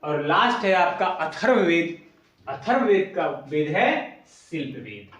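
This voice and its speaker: A man teaching an exam coaching lesson, asking questions and then repeating the answers slowly. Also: fairly high pitch, very animated, a bit bright, far from the mic, highs cut off. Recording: echoey room, voice away from mic.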